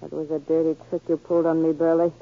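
A woman's voice: low-pitched, little pitch movement, fast talker. An actress playing a nervous, resentful female spy accomplice in a 1940s radio drama. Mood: bitter. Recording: scratchy, narrow-band 1940s radio recording.

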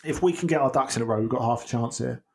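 A man's voice: medium pitch, fast talker, vocal fry, darkish tone. A man giving casual football analysis on a podcast, thinking aloud with frequent restarts and ums. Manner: hesitant, many restarts and ums. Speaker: football pundit guest.

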